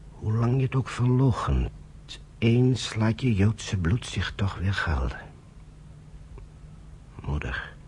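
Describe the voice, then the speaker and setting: An actor playing a troubled half-Jewish British general in a Dutch radio drama, talking in a brooding way that sinks into hushed whispers. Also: male voice, sits low, slight background noise. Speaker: general and narrator.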